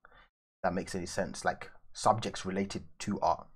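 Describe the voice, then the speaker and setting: Casting: easygoing young London guy, slightly low voice, loose streamer chatter at a desk. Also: steady tone, unhurried, a little hiss or hum. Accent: London English. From raised in London, England. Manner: loose and chatty, answering viewers. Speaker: artist streaming live. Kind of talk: casual live-stream chat while drawing. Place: indoors at a drawing desk.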